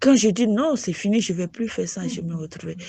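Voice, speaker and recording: A woman's voice sounds somewhat breathy. Her pitch variation is ordinary. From Africa. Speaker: viewer giving testimony. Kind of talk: testimony. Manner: halting.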